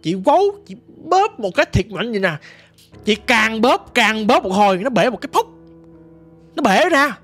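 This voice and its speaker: A woman's voice: a little high, very animated, moderate pace, fairly bright tone, husky, soft background music. A woman with a Southern Vietnamese accent telling her ghost story in a vivid, dramatic, casual way, talking straight to the listener. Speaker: storyteller guest.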